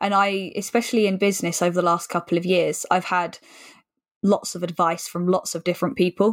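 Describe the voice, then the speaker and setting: With a southern English accent, a woman speaks in a very clean recording with a silent background and a dry, close sound with no echo. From England. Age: 20s. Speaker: kickboxing champion and speaker. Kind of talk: interview.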